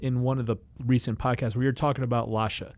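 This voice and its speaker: A man's voice: mid-range voice, little pitch movement, quick pace, a little mellow, dry recording. A man co-hosting a casual podcast, speaking bluntly and mockingly with plenty of swearing. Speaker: podcast co-host.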